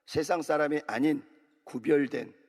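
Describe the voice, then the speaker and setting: Korean pastor preaching in a reverberant hall. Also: male voice, fairly high pitch, moderate pace. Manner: exhorting, calls for amen and repetition. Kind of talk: early morning sermon. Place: large church sanctuary. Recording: long church hall reverb.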